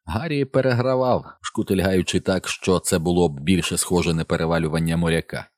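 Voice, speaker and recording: A man narrating an audiobook in a measured, even storytelling manner. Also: deep voice, dry recording, studio quality. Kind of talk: scripted narration.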